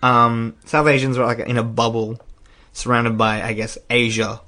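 A man's voice: medium pitch, little pitch movement, moderate pace, bright, forceful tone. A young man in a casual personal chat, talking in a rambling, self-deprecating way with frequent small laughs. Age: young adult.

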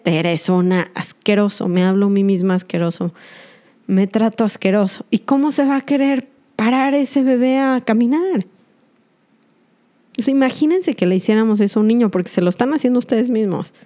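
Woman, podcast host, mellow warm tone, earnest, confessional, reflective monologue to listeners. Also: on the high side, a little fast.

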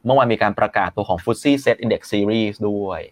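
Calm guy walking through stock index news, lower voice. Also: normal speed. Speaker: stock analyst. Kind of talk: market commentary.

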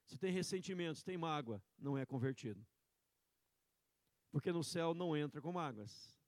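A man preaching a sermon as pastor, moving from quiet low asides to loud, slow, emphatic lines. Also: expressive, dry recording.

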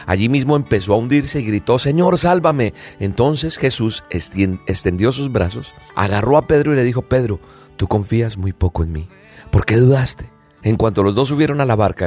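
A man's voice: fairly low pitch, a little mellow. A man giving a devotional reflection on a Bible passage, speaking earnestly and addressing the listener directly. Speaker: preacher.

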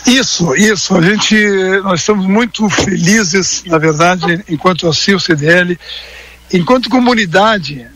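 A man's voice: high voice, a little slow, a bit bright, breathy edge. A man, calling in by phone to a live radio show as a guest, talking hesitantly with many fillers and restarts. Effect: heard over a phone line. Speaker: guest, event organizer calling in.

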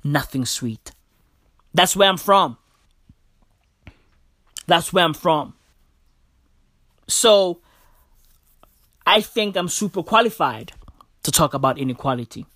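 A man's voice: on the high side, animated, slow pace, long pauses, sharp tone, no room sound, studio quality. A young South African man hosting a casual podcast, talking in slang and calling the listener bro and bruv. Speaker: podcast host. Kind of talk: casual solo podcast commentary. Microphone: podcast mic.

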